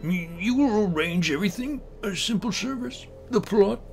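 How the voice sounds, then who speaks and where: A man's voice: high voice, animated, normal speed, creaky, a little mellow, soft background music, pitched above the performer's own voice. A man voicing a stingy, coldly eager heir with a prim, polite manner in a horror comic story. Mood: coolly fussy.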